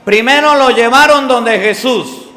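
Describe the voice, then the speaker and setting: A man's voice: extremely high pitch, a little slow, bright, forceful tone. A man preaching a sermon as a priest, asking his congregation questions. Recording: echoey hall with long reverb.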